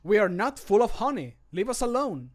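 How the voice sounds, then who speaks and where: A man's voice: high voice, sing-song, normal speed, pitched above the performer's own voice. A man voicing a scared adventurer pleading in short theatrical lines for a game mod.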